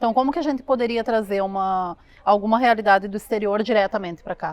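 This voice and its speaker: Speaking quickly with a Rio Grande do Sul accent, a woman shows ordinary pitch variation. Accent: Missões regional accent (Rio Grande do Sul). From southern Brazil, Missões region of Rio Grande do Sul. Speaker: bereavement support NGO representative. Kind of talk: interview conversation. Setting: studio interview in a shop.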